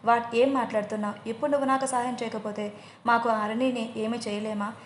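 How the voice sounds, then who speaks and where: A woman's voice: fairly high pitch, fairly even intonation, brisk, echoey room, slight background noise, lightly acted. A woman voicing a spoiled, jealous young woman who snaps and flares up, in an audio story. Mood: furious. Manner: snappy, dramatic.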